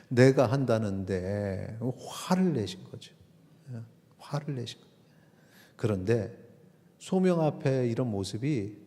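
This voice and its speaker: Emphatic Korean pastor preaching in a hall. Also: male voice, on the low side. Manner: emphatic preaching with sudden loud rises, acting out hesitant believers. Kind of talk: sermon. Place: church sanctuary. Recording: long church hall reverb.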